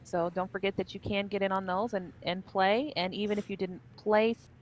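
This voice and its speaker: A woman's voice: mid-range voice, little pitch movement, moderate pace, rough recording. A woman with a mid-range voice co-casts an esports qualifier. She runs through schedules, giveaways and fight breakdowns in an upbeat, tidy manner. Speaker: esports co-caster. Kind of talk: casual esports commentary.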